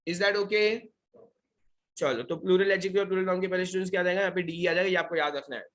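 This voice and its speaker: A young man with an Indian accent runs an online French revision lesson, quizzing his students, going back over key points, and mixing Hindi with English. His voice is high-pitched and fairly bright, with fairly even intonation and a fast pace. There's slight background noise.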